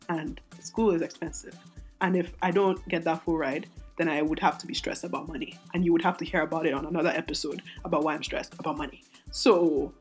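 Raspy-voiced young woman rambling candidly. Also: lowish voice. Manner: rambling, self-interrupting, candid. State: voice strained from singing. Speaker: podcast host. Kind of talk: solo podcast rant.

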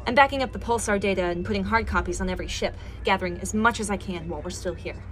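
A woman playing a dedicated, caring science director in a science fiction audio drama, with brisk, kindly authority. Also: medium pitch, a bit bright, a little hiss or hum, close to an everyday voice. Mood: preoccupied, thoughtful.

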